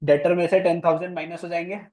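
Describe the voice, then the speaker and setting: Brief: male commerce teacher, slightly high voice, playful, quizzes students. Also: flat delivery, quick pace, warm tone. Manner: playful, teasing, questions students. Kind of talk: classroom lecture. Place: classroom.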